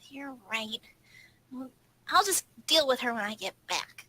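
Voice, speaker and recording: A woman's voice: sits high, expressive, takes it slowly, pushed and bright, exaggerated voice. A woman playing an earnest, anxious female adventurer in a tabletop game. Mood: resigned. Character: worried, earnest female adventurer reading a friend's note.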